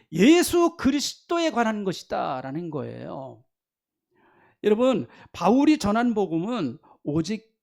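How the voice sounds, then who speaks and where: A man's high voice with very wide pitch swings at a very slow pace. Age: 60s. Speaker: pastor. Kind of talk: sermon. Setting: church. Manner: animated.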